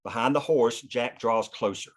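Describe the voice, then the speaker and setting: This narrator, a man, voices the stage directions, action lines and scene headings during a screenplay table read. He speaks at a moderate pace with a medium-pitched voice.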